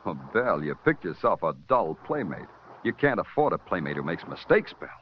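Wisecracking hard-boiled cop, dry and pushy, lowish lively voice. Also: male voice, a little fast. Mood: taunting. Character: hard-boiled male night-shift detective. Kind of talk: 1950s radio drama acting. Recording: dull old radio broadcast, faint hiss.

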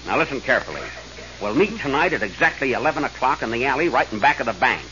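A man's voice: medium pitch, lively intonation, fast, noisy background, lightly acted. A man playing a commanding, wisecracking dwarf gang boss in an old radio comedy. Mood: bossy, brisk. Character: bossy comic dwarf gang leader. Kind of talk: 1930s-40s radio comedy acting. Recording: muffled old radio recording.

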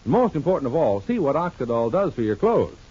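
A man announcing on an old radio broadcast, pitching a product and then narrating the soap opera in an emphatic, selling manner. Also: big pitch swings, fast talker, warm tone, breathy edge. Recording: dull lo-fi old radio recording, faint music.

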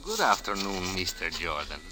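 An actor playing a tall Arab henchman in an old radio drama, speaking formally with measured, polite menace. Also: low-pitched, wildly swooping pitch, music in the background, rough recording. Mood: smooth menace. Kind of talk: 1940s radio acting.

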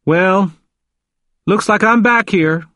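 A male narrator plays a confused, vulnerable old man from an audiobook. The voice is pitched well up and swings widely. He speaks emphatically in folksy, repetitive phrases, and the sound is close and dry. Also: sing-song, normal speed, a bit bright, no room sound. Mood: mournful, agitated. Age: older. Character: confused, frightened elderly man pleading in hospital.

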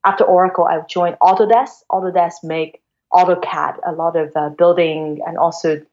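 A woman's voice: on the low side, steady tone, normal speed, a little mellow. A woman in her forties from Hong Kong, a guest investor telling her story in a chatty way, with many fillers and restarts. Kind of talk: casual interview storytelling. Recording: dull lo-fi sound.

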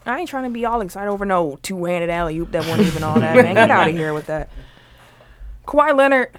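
A woman with a lowish voice talks sports in a casual podcast chat. She is emphatic and slangy and steers the group to each new topic. Her voice sits on the low side for a woman. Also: expressive, brisk, over a noisy crowd. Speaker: podcast co-host.

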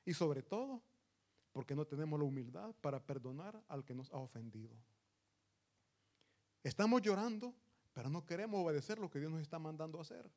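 Calling the congregation his brothers, this preacher delivers his sermon with earnest emphasis. His voice sits a bit above the typical male range and has a slightly mellow quality.

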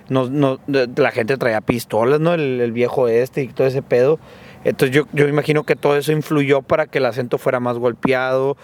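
A man with a northern Mexican accent, hosting a casual podcast chat and joking in slang as he lays out his theories. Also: mid-range voice. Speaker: podcast host.

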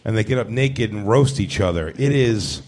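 A man's voice: on the low side, animated, normal speed, darkish tone. Blunt, crude-joking man on a club stage. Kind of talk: live comedy panel banter. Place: comedy club stage before a live audience.

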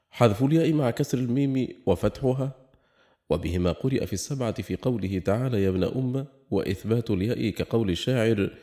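A man with a lowish, mellow voice reads a classical grammar text aloud. His recitation is formal and measured, and he slows down deliberately whenever he quotes an example. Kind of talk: formal reading of a grammar treatise.

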